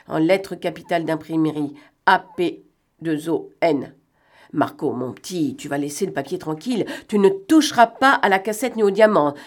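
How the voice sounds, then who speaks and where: A woman reading aloud and voicing a cunning male gentleman thief who talks in a mocking, bantering way and snaps out brisk orders. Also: fairly low pitch. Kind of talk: audiobook reading.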